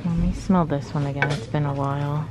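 A woman's voice: low voice, steady tone, a little fast. A woman in her thirties chatting through a face mask as she browses shelves with her phone camera. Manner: chatty, musing aloud while browsing. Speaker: vlogger. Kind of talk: casual shop-with-me narration. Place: large store indoors. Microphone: handheld phone camera. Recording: noisy store ambience.

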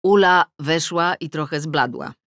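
A woman's voice: deep voice, a little slow, a bit bright, no room sound, clean studio sound. Wry woman narrating a comic diary. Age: middle-aged. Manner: wry, self-mocking, swings between sulky mutters and exclamations. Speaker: audiobook narrator. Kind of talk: first-person audiobook narration.

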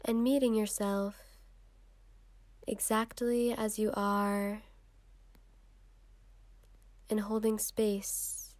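A woman leading a guided meditation in a soft, soothing, unhurried way with long pauses, breathy at times. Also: mid-range voice, level tone, no room sound.

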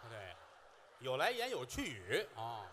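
A man on a theater stage, playing straight man in comic crosstalk and firing back quick, mocking retorts. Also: mid-range voice, huge pitch swings, noisy background. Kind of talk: live comic crosstalk banter.

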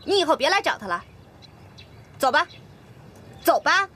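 A woman's voice: high-pitched, big pitch swings, normal speed, noisy background. An actress playing a headstrong, lovesick young lady of a rich family in a period TV drama, tearful and demanding. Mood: scornful. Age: young adult. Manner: tearful and demanding, pleading then scolding.

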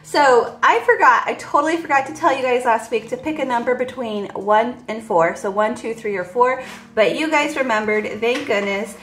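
Counting cash at a table indoors, a woman in her forties talks informally to her audience about budgeting, with only her hands visible from a top-down camera. She speaks at normal speed with a somewhat high, slightly bright voice in an echoey room.

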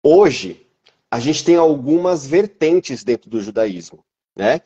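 A man in his thirties from Brazil, a teacher speaking as an interview guest on a video call through an earphone headset, calm and explanatory. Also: mid-range voice, takes it slowly, husky, muffled recording. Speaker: biblical Hebrew teacher, guest.

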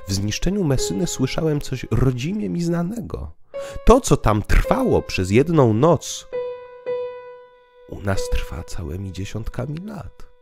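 A man's voice: medium pitch, big pitch swings, unhurried, vocal fry, pitched above the performer's own voice. A man voicing a thoughtful, earnest woman in an audio drama, speaking in a literary way. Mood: mournful. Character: Imogena, thoughtful earnest woman, sighing storyteller. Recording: piano music underneath.

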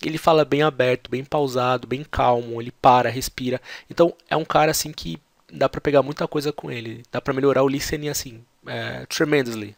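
Man, Brazilian Portuguese accent, gravelly edge, dry close sound, headset mic, casual upbeat vlog teaching. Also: mid-range voice, fairly even intonation, a little fast, dry recording. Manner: chatty, upbeat, explains step by step. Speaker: English-learning vlogger. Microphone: headset microphone.

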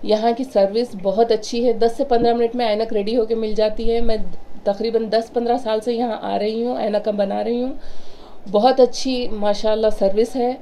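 Woman giving a brisk testimonial. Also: a little high, fairly even intonation, warm tone, a little hiss or hum, poor audio. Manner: brisk, recommending. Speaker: customer. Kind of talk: customer testimonial. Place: small office indoors. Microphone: press microphones on table.

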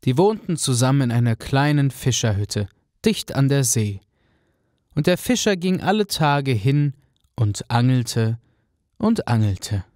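A man narrating a fairy-tale radio play in a calm, clear storytelling manner. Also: medium pitch, a little slow, no room sound, clean studio sound. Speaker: narrator, also voicing the fisherman.

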